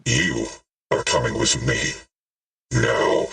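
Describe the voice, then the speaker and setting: A man's voice: rumbling low, fairly even intonation, vocal fry, pushed and bright, far from the mic, voice pushed down, exaggerated voice. A man voicing a cold, menacing villain with a tinny metallic voice as a tabletop game master. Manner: cold, threatening, slow and deliberate.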